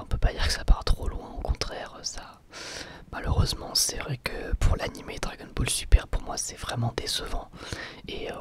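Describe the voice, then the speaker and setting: A man hosting an ASMR channel, answering viewer questions in a soft, hesitant whisper with frequent pauses.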